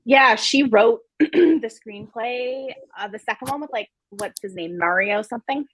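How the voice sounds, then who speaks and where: A woman with a husky voice casually discussing books as a live show host. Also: fairly high pitch, a little slow, poor audio.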